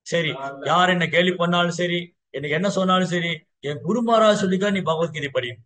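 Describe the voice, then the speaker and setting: A man's voice: sits high, moderate pace, fairly bright tone. A male Vaishnava preacher telling a devotional story to a gathering, acting out dialogue and repeating phrases. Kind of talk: sermon storytelling to a congregation.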